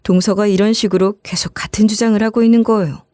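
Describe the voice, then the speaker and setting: A woman narrating a first-person story in a conversational, expressive way. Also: mid-range voice, fast, no echo, studio quality.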